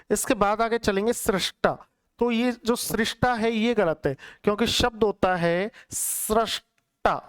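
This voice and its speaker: A man's voice: sits high, clear, resonant tone. A male Hindi teacher with a Rajasthani accent lectures students, repeating each word and quizzing them on the correct form. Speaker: Hindi exam-prep teacher. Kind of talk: classroom lecture.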